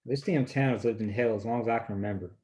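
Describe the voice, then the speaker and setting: A man's voice: on the low side, fast, mellow, natural voice. A man playing a tough, unflappable small-town police chief with a wry, confident manner, in a drama table read. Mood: wry, defiant.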